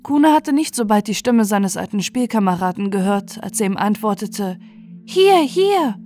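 A woman narrating a scripted fairy tale for bedtime in a measured, expressive storytelling manner. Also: mid-range voice, faint music behind.

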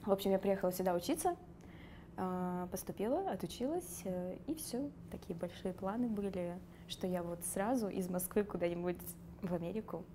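A woman's voice: medium pitch, moderate pace, warm tone, slight background noise. Chatty young woman with Circassian accent. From Karachay-Cherkessia, North Caucasus. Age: young adult. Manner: chatty, laughs often, many fillers. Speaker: interviewee. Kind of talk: sit-down interview. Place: dark studio. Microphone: lapel.

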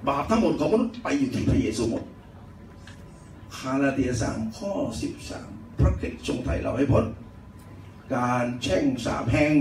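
A male pastor giving a sermon, explaining scripture point by point with animated, emphatic delivery. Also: mid-range voice, slight background noise. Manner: animated, rising to loud emphatic bursts. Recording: roomy echo, distant mic, faint ambience.

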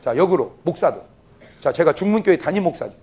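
A male pastor giving a humorous, animated revival sermon. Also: fairly high pitch, fast. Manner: animated, joking, acts out scenes.

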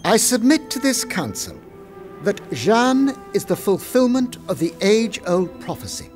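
An earnest learned cleric pleads a case in an audio drama. His voice is high and lively, formal and persuasive, with faint music behind. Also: measured pace. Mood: earnest advocacy. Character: learned churchman earnestly arguing as an advocate.

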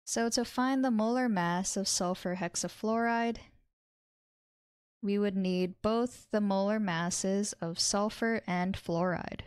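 Female tutor, twenties, mid-range and crisp, measured step-by-step teaching delivery, very dry close-miked sound. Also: medium pitch, no echo. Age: 20s. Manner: measured, explains step by step while writing. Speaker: chemistry tutor. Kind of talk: instructional tutorial, working through a problem. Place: small indoor room at a desk.

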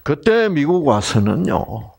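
Older korean guy doing a slow health talk, gravelly husky voice, lots of asides. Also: fairly high pitch. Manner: chatty, animated, frequent fillers and asides to audience. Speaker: health lecturer. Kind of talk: health lecture with personal stories.

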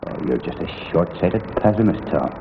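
An easygoing middle-aged British policeman in a 1960s drama. He is lowish and matter-of-fact. The sound is a reverberant hall on thin film stock. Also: expressive, fairly quick, narrow, tinny audio. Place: large bare rehearsal hall. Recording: echoey hall, thin hissy old film.

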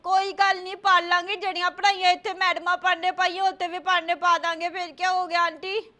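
A woman voicing a cheeky little boy who whines and begs to be adopted, with quick comebacks. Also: extremely high pitch, level tone, bright, forceful tone. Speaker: comedy show host.

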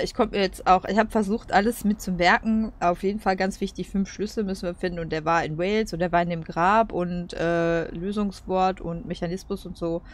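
A woman giving casual gameplay commentary in a rambling, colloquial, hesitant way. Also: fairly low pitch. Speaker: let's play host.

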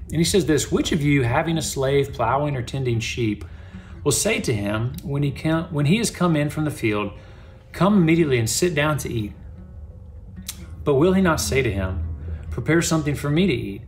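A man in his thirties, a pastor, speaking a devotional to camera from a small home office, earnest and conversational with frequent restarts. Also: mid-range voice.

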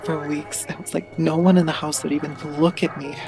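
A woman playing a withdrawn, troubled teenager narrating an audio drama, hesitant and confiding in a creaky voice. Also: low-pitched, fairly even intonation, fairly quick, music in the background, low-quality recording. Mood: subdued, dazed.

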